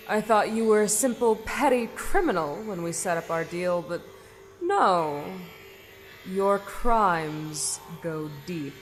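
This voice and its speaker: A woman playing a smug, menacing corporate security officer in an audio drama, speaking in a deliberate, taunting way. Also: on the low side, fairly bright tone.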